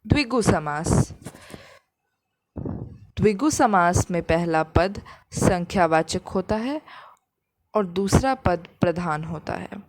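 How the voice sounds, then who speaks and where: A woman's voice: lowish voice, expressive, slow pace, pauses often, a little mellow, no room sound. A woman teaching a grammar lesson, patiently repeating each example and explaining it step by step.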